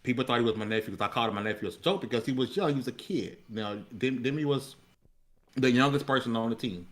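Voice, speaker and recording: A man's voice: medium pitch, fast talker, a bit bright. An American man hosting a podcast in casual, unscripted, colloquial talk, often repeating words as he searches for phrasing. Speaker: podcast host.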